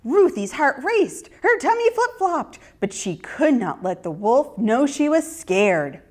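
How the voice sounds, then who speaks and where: A woman reading a children's story in an expressive, deliberate narrating style. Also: sits high.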